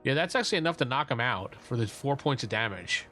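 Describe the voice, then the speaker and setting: A man running a tabletop session as game master, talking casually and joking as he goes. His voice sits at a middling pitch for a man, with faint music playing underneath. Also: animated, fast, pushed and bright. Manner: jokey, laughs often, slips into silly voices.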